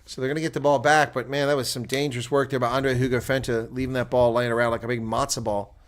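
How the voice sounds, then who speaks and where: Talking fast in a medium-pitched voice with little rise and fall, this American man handles solo live rugby commentary. He's chatty, reacting to the action and addressing viewers as he calls each play.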